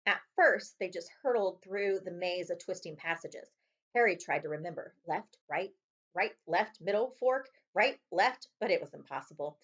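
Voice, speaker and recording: A woman's voice: on the low side, lively intonation, normal speed, fairly bright tone, dull audio. A woman librarian narrating a children's chapter book as a read-aloud.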